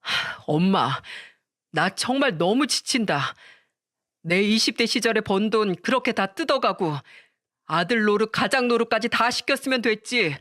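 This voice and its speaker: A woman's voice: fairly high pitch, moderate pace, fairly bright tone, no room sound, studio quality, close to an everyday voice. Woman reading a worn-out grown son. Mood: weary. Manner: tired, exasperated. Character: weary adult son and husband, fed up.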